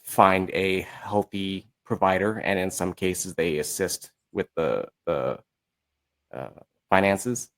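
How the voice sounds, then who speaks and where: A man with a fairly low voice talks as a podcast guest. His delivery is casual and halting, as he feels his way toward the right words. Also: a bit bright. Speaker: podcast guest, musical creator. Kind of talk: casual chat.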